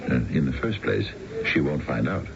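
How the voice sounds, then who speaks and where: An actor playing a wealthy, unfaithful middle-aged businessman in a radio drama, smooth and self-assured but halting, with a genteel, gravelly delivery. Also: a bass voice, big pitch swings, heavily acted. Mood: smooth, matter-of-fact. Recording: muffled, noisy old radio broadcast.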